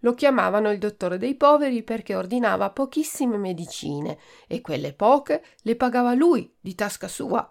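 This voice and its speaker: A woman from Italy reads a children's storybook aloud with clear, expressive narration. Her voice has a mid pitch and a gravelly texture. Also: normal speed, hardly any pauses. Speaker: podcast host reading a children's book.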